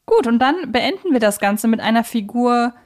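A woman's voice: on the high side, lively intonation, moderate pace. A woman hosting a podcast, chatting casually about fictional characters in a conversational discussion. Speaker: podcast host.

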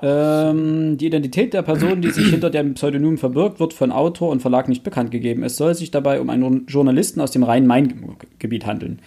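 A man's voice: a little high, a little fast, hardly any pauses, dark tone, slightly rough. A young man hosting a casual book discussion, thinking aloud in a hesitant, self-correcting way. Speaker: podcast host.

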